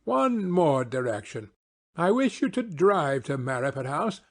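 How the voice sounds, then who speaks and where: A man's voice: fairly high pitch, sing-song, measured pace, full character voice. A man playing a confident, eager male detective in an audiobook, with commanding, precise phrasing. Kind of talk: audiobook character acting.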